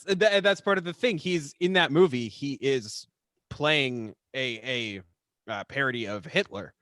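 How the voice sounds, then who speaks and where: A man chatting casually as a podcast guest, animated and amused, often repeating words as he starts. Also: medium pitch, a little slow, no echo, clean studio sound. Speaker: podcast guest, writer and storyteller. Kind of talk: casual chat.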